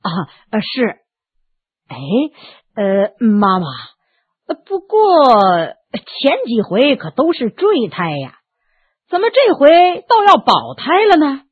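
A woman's voice: high-pitched, wildly swooping pitch, takes it slowly, slightly rough, no echo, full character voice. A woman voicing a timid, grumbling male servant in a storybook reading, hesitant and stammering before he complains. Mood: fretful. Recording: tinny narrow phone-like sound, dry.

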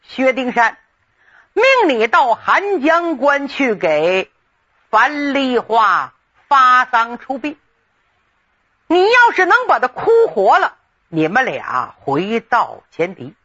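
A harsh, haughty young crown prince who barks orders with scorn, as a storyteller puts him on. The tone is sharp and husky, with wide swings. It comes through a dull, lo-fi recording. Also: mid-range voice, very animated, slow, full character voice. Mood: commanding. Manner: scornful, commanding.

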